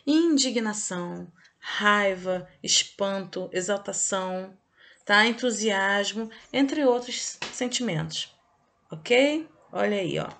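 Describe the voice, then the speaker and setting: A woman gives a recorded lesson to young children in a gravelly, slightly creaky voice. She leans on each key word and drops frequent "okay?" checks to the class. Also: mid-range voice, animated, a bit bright. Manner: didactic, drawn-out emphasis, checks in with "ok?" and "tá?". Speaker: teacher. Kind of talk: online review lesson for children.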